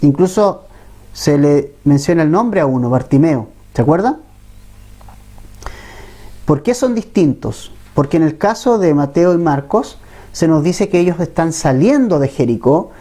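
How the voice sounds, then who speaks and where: A man's voice: a little high, expressive, moderate pace, warm tone. A man with a Chilean accent preaching a Bible-teaching sermon as pastor, talking conversationally and often asking the congregation questions. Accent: Chilean Spanish.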